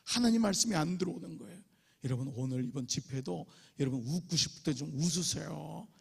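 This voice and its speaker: Pastor guy preaching a revival sermon in church, gravelly and kinda husky, bit high voice. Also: brisk. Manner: emphatic preaching with acted quotes. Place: church sanctuary.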